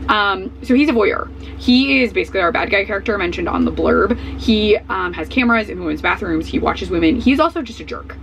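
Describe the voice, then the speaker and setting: A young woman book vlogger chatting casually at home, a little hoarse as her voice comes back, rambling with lots of fillers. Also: medium pitch, expressive, fairly quick, few pauses, a bit bright, low-quality recording. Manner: rambling, filler-heavy, self-correcting. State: slightly hoarse, voice coming back. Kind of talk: casual chat. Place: at home, traffic noise outside. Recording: faint outdoor truck noise.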